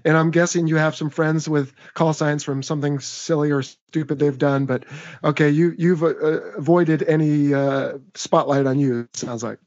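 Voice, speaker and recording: A man's voice: fairly high pitch, steady tone, normal speed, a little mellow, muffled recording. An American man hosting a podcast, chatting casually and upbeat as he wraps up an episode. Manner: upbeat, chatty, wrapping up the show. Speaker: podcast host.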